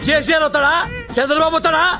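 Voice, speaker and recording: A blustering, threatening older dad. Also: male voice, very high voice, little pitch movement, fast, a loud crowd. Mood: ranting, threatening. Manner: shouting, boastful threats. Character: loud menacing older father, blustering threats. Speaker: father of the hero. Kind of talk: Telugu film comedy acting. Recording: film soundtrack with music.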